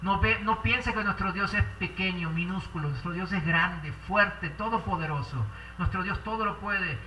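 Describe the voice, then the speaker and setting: A man preaching a sermon and leading a prayer, fervent, drawing out key words slowly. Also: high voice, pushed and bright, slight background noise. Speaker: pastor. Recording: roomy echo, far from the mic.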